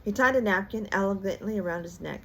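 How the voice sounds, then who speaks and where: A woman's voice: mid-range voice, quick pace, gravelly, a little hiss or hum, poor audio. An older woman reading a children's bedtime story aloud as a storyteller.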